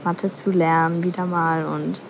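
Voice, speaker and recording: A woman's voice: lowish voice, little pitch movement, a little slow, vocal fry. Teenage girl in a slightly noisy message. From Switzerland. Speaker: listener sending a quiz question. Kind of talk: informal voice message.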